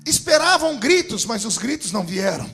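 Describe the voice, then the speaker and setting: A pastor preaching a dramatic sermon in Brazilian Portuguese, telling a story that swells into shouting. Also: male voice, sits high, big pitch swings, moderate pace, creaky, husky.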